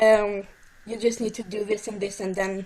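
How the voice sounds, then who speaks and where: Monotone, flat intonation marks this woman's speech at a medium pitch and moderate pace, with a non-native accent. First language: not English. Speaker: caller asking for advice. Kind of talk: video call question. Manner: halting.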